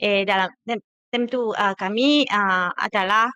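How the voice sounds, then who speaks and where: A middle-aged woman with a Japanese accent, a native Japanese speaker using Indonesian as a foreigner, hesitant and halting, as an academic guest. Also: medium pitch, bright, forceful tone, clean tone, no echo. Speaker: guest, university linguist.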